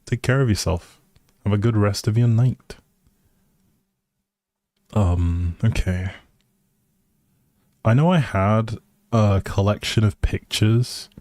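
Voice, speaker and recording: A man with a lowish, soft-edged mellow voice streams a game and chats casually to his viewers. He rambles amiably, thinking out loud as he plays. The sound is close and dry, with almost no room on it. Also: slow, pauses often, dry recording. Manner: friendly rambling, thinking aloud. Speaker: live streamer playing a life simulation game. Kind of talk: casual gameplay chat with viewers.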